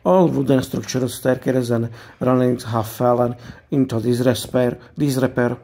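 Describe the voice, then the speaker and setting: A man with a dark, relaxed voice and a husky edge reads a scripted guided-tour narration. His delivery is calm and measured, like a museum guide explaining history, at a middling pitch.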